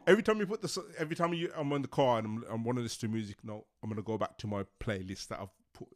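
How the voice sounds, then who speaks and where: A man hosts a podcast, talking at a racing pace in a medium-pitched voice. The interview chat is casual and hesitant, full of fillers and restarts.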